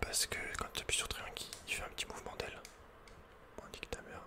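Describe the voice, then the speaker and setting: A man gives casual, slangy ASMR gameplay commentary in a breathy whisper, muttering to himself close to the microphone. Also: quick pace. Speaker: ASMR video game streamer.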